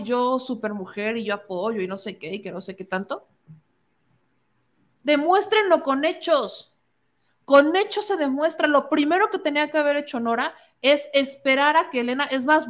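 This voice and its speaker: A woman's voice: sits high, a bit bright. A woman with a Mexican accent giving opinionated political commentary, indignant and sarcastic, mocking the people she quotes.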